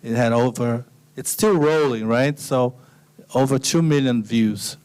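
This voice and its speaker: Man giving a smooth, relaxed slide lecture. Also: medium pitch, a little slow. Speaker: guest lecturer.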